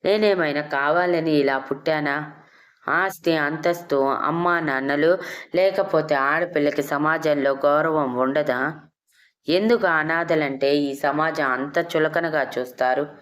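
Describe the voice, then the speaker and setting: A woman voicing a young woman who grew up an orphan, speaking softly and with quiet pain. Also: low-pitched, measured pace. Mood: hurt. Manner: pained questioning, soft and soothing with the child. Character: young orphaned woman, hurt but tender.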